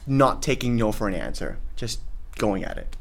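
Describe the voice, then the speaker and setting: A young man from Singapore who speaks with a learned American accent, talking as an actor in an interview. He is animated and expressive, often restarting his phrases and breaking into the voices of people he quotes. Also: on the low side, moderate pace, vocal fry. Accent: General American, learned. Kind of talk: casual interview.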